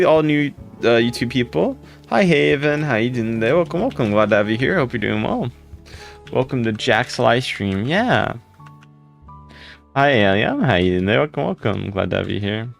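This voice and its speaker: A man with a deep voice chatting casually on a livestream, rambling and greeting viewers by name. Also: expressive, moderate pace, gravelly, faint music behind.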